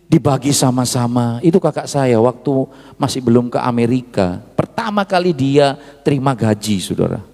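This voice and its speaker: A male pastor preaches with a gravelly voice. He sways between quiet, low confiding lines and sudden loud, high shouts, weaving in asides. His voice carries a long reverb from a large church hall. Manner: mixes Indonesian with Javanese asides. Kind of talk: sermon.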